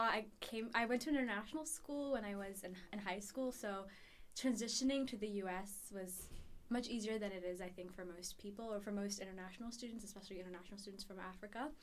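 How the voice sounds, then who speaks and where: A woman in her twenties from Ethiopia, a student guest on a podcast, talking casually and searching for words as she reflects. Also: mid-range voice. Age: 20s. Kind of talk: casual interview.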